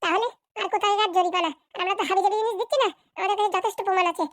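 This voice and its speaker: A woman's voice: very high-pitched, fairly even intonation, rapid-fire, no room sound. A woman voicing a bossy, impatient female politician in a comedy cartoon, curt and insistent.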